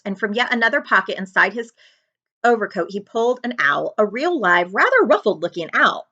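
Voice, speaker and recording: Woman, storybook read-aloud, librarian, medium pitch with lively swings, slightly dull home recording. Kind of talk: expressive children's chapter book read-aloud.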